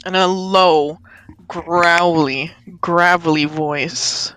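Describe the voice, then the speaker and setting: A woman narrating a tabletop game as game master, descriptive and drawn-out with casual asides. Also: fairly low pitch, steady tone, fairly bright tone.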